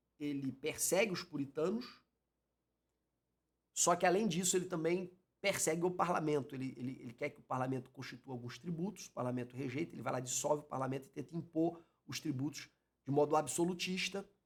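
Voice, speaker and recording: A man's somewhat breathy voice at a fairly quick pace, with ordinary pitch variation and big swings in loudness. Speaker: evangelist and Bible school teacher. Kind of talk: lecture. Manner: fast.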